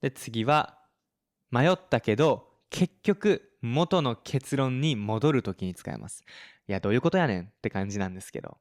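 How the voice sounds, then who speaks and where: Smooth-voiced man teaching casually. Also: medium pitch, moderate pace. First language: Japanese. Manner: relaxed, mixes in English examples. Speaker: Japanese teacher, podcast host. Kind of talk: casual explanatory lesson.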